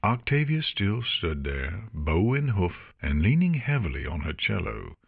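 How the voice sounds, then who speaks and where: A man reading fantasy fiction as an audiobook narrator in an expressive, scripted storytelling style. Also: low voice, measured pace, gravelly, husky, narrow, tinny audio.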